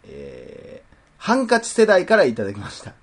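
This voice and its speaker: A man's voice: medium pitch, wildly swooping pitch, moderate pace, slightly rough. A man in his twenties with a Kansai accent, co-hosting a casual podcast, teasing his co-host and reading listener mail. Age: 20s. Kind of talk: casual chat.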